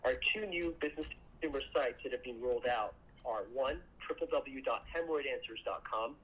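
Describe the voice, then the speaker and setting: A man in the role of a company executive reads a scripted earnings presentation in a formal, measured way. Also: medium pitch. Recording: muffled call audio with clear noise.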